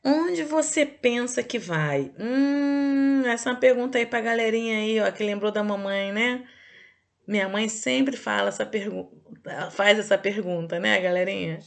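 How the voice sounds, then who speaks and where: A woman with a mid-range voice, fairly even intonation and vocal fry records a review lesson for children. She teaches didactically, drawing out key words and often checking in with short tags like "ok?" and "tá?".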